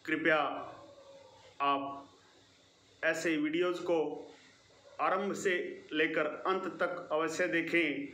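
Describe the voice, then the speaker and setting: A male teacher gives a grammar lesson to children with a fairly high, bright voice. He speaks slowly and deliberately and leans on key words. The room around him is echoey. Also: steady tone. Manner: slow, deliberate explaining with stressed key words. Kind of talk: online video lesson for schoolchildren.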